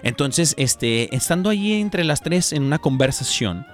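A man's voice: a little high, expressive, normal speed, soft background music. A man hosting a faith radio show, telling jokes playfully and addressing listeners like a preacher. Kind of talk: joking casual radio chat.

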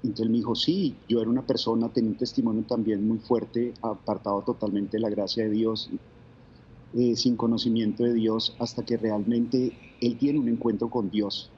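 Dark-voiced Colombian man telling his story. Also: fairly low pitch, flat delivery, moderate pace, lo-fi sound, slight background noise. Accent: Bogotá Colombian. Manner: reflective storytelling with many fillers. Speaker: guest. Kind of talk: testimony interview.

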